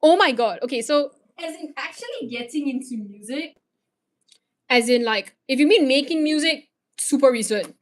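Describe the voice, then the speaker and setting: A woman's voice: high-pitched, lively intonation, moderate pace. A teenage woman from Malaysia streaming, chatting casually and answering viewer questions, rambling with restarts and swearing.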